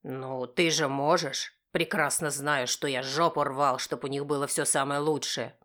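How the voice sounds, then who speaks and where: A woman's voice: low voice, fairly bright tone. A woman reading an enraged snarling husband. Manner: harsh, snarling through teeth. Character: enraged husband and father, middle-aged man.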